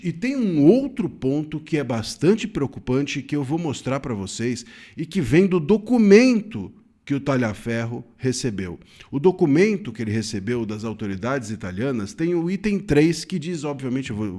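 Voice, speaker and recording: Emphatic Brazilian man with a lively voice. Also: medium pitch. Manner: earnest, emphatic, with frequent self-corrections and restarts. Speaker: legal commentator. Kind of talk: solo commentary to camera.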